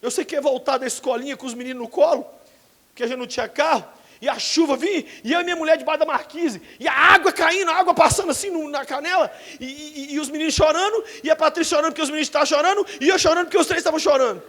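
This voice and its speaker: A man in his forties with a Brazilian Portuguese accent, preaching a sermon in a church, telling dramatic stories and breaking into shouts. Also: extremely high pitch, very fast. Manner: dramatic storytelling, bursts into shouts. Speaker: pastor.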